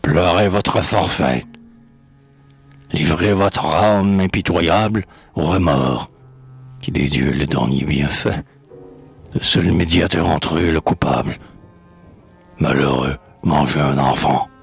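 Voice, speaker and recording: A pompous, pious sturgeon voiced by a man lectures in a slow, solemn sermonizing tone. The voice is deep and rough with gravel, and very breathy and husky. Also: fairly even intonation, soft background music, full character voice. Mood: solemn preaching.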